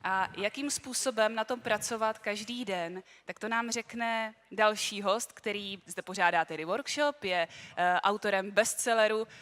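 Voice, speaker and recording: A woman's voice: medium pitch, fairly bright tone. Woman hosting a stage in a hall. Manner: measured, welcoming. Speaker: stage host. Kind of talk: formal event introduction. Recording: long hall reverb.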